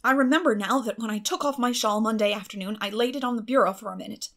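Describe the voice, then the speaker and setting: A woman voicing a stern, plain-spoken older spinster with a brisk, firm manner in a storybook reading. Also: fairly high pitch, fairly bright tone. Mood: baffled. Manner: brisk, firm, matter-of-fact.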